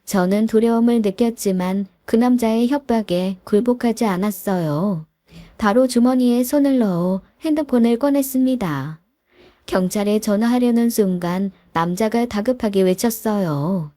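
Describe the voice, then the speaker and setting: A woman's voice: on the high side, moderate pace, dark tone, no echo. A woman telling a first-person story as scripted narration, recounting events in a plain storytelling manner.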